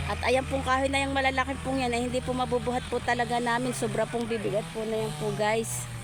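Talking at a very fast pace with hardly any pauses, a woman is heard through audible room echo and noticeable background noise. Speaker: vlogger. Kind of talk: casual vlog narration. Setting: outdoors.

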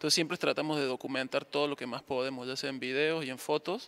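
This man talks at a fairly quick pace in a fairly high pitch, his tone bright and sharp and his intonation fairly even. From Argentina. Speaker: fashion videographer. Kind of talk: interview. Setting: museum exhibition.

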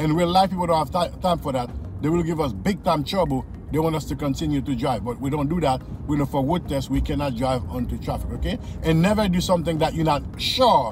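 A man talking at a fairly quick pace, dry sound with no echo, music in the background. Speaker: driving instructor. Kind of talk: tutorial. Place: car. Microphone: phone near.

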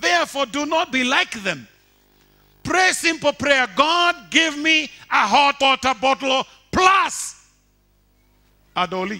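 With a quiet background behind him, a man speaks in an extremely high, bright, sharp voice, raised and projected, at a very slow pace with long, frequent pauses. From Kenya. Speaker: pastor. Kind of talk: sermon. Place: church. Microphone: headset.

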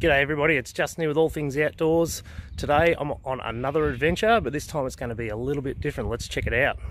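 A man talks at a very fast pace with ordinary pitch variation, the sound dry with no echo and light background noise behind him. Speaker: outdoors channel host. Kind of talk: casual vlog chat. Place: waterside. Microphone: phone near.

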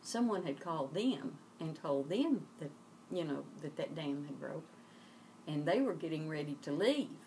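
Speaking with an Appalachian accent, a woman uses lively intonation in a very deep, low voice. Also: moderate pace. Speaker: flood survivor. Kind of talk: interview.

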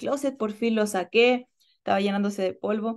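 A woman's fairly high voice, a normal speaking voice at a moderate pace with ordinary pitch variation, over a quiet background. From Chile. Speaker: dancer and researcher; presenter. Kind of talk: academic presentation. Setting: video call. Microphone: video call.

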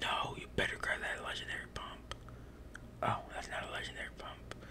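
The voice is a whisper. It moves at a moderate pace. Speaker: gaming ASMR creator. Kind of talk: ASMR gaming commentary. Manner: whispered. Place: home room.

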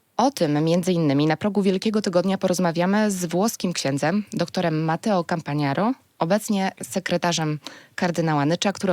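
A woman's fairly low voice, an unremarkable speaking voice, at a fairly quick pace with ordinary pitch variation and very even loudness, on a very clean recording with a silent background and a dry, close sound with no echo. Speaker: radio presenter. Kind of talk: radio interview. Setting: radio studio. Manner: formal.

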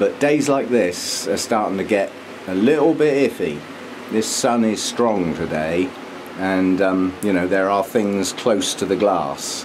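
Noticeable background noise sits behind a man speaking at a fairly low pitch and a fairly slow pace. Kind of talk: casual vlog chat. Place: garden.

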